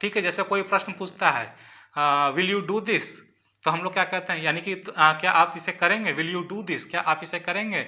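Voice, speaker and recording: Man, grammar lesson, bright sharp voice, slightly high, repeats himself. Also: normal speed. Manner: repeats points, often says "ठीक है" and "जो है"; mixes English terms into Hindi explanations. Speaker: English teacher for exam prep. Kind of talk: explanatory lesson.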